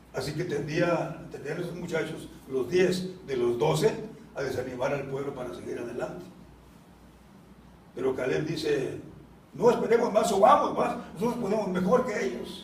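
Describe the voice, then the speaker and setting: A man with a high pitch speaks at a moderate pace, his pitch swinging very widely, with long, frequent pauses. Noticeable background noise and audible room echo fill the recording. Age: 80s+. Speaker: preacher. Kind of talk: sermon. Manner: halting, with repetitions and fillers.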